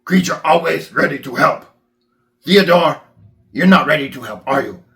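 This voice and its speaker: A man voicing a simple-minded, always hungry creature puppet with a gravelly growl and broken third-person grammar. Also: on the high side, expressive, moderate pace, a bit bright, pitched above the performer's own voice. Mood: eager.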